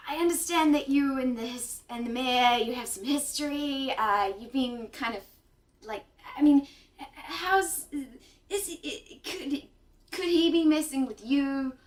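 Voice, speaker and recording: A woman's voice: high-pitched, measured pace. A woman playing a tabletop game, giggly and playful. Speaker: player. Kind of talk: casual tabletop play. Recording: distant mic.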